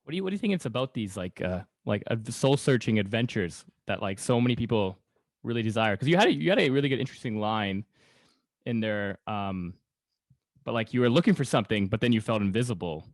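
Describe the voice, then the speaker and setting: A man's voice: fairly low pitch, lively intonation, quick pace, dry recording, clean studio sound. A man hosting a casual podcast chat, inquisitive and rambling, often repeating his words as he goes. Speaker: podcast host.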